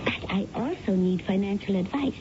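An actress playing a proud but self-deprecating widow in a radio drama, speaking in a precise, insistent way. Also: female voice, normal speed, lightly acted. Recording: dull, noisy old radio broadcast with rumble.

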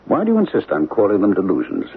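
An actor playing a troubled, obsessed academic husband, earnest and halting, in a 1970s radio drama. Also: male voice, low voice, wildly swooping pitch, phone-quality sound, full character voice. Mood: defensive, uneasy. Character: troubled, obsessed married academic man convinced of otherworldly mission. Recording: band-limited hissy 1970s radio drama recording.

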